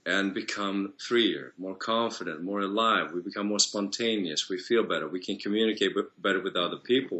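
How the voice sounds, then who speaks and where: A male vocal coach talks earnestly in a long, flowing interview answer. His voice sits on the low side but rings bright and forward. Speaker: voice and singing coach.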